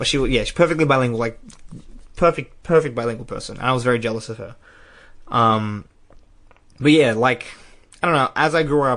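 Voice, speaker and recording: With an Australian accent, a man talks at a fairly quick pace with long, frequent pauses, a medium pitch and ordinary pitch variation over a quiet background. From Australia, Nepalese family. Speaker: podcast co-host. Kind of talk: casual chat. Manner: halting.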